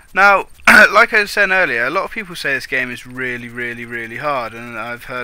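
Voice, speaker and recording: In an English accent, the speaker goes at a fairly quick pace with ordinary pitch variation and noticeable background noise. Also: man. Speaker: gamer. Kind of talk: casual gameplay commentary. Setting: low-quality home mic.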